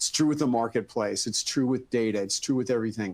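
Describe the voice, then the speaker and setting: This is a man speaking at a medium pitch. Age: 60s. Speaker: keynote speaker and healthcare futurist. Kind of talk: keynote webinar talk. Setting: online webinar. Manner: animated.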